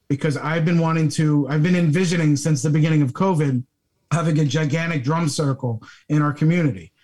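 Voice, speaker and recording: At a fairly quick pace, a man speaks in a fairly high, somewhat breathy voice with fairly even intonation. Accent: American. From US Northeast, South Jersey. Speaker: wellness coach. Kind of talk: casual interview.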